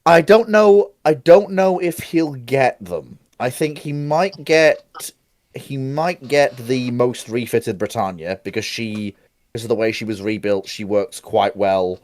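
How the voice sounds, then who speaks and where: A man's voice: mid-range voice, unhurried, darkish tone, dry recording. A man on a discussion panel, debating casually and reasoning aloud, with restarts as he works out his point.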